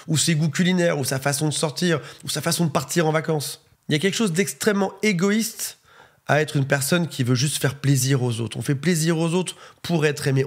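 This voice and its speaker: A male relationship coach giving chatty advice straight to the viewer, with joking asides. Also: on the high side. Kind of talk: advice monologue to camera.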